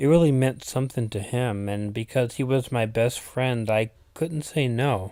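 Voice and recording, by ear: In a natural voice, the passage is read aloud with ordinary pitch variation.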